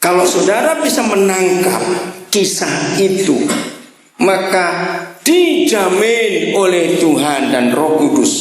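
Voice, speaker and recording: A man preaching a lively sermon, questioning the congregation and acting out voices. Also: high-pitched, takes it slowly, slight background noise. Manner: animated, asks the congregation questions, acts out voices. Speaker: pastor. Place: large church hall with congregation. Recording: very echoey hall with crowd.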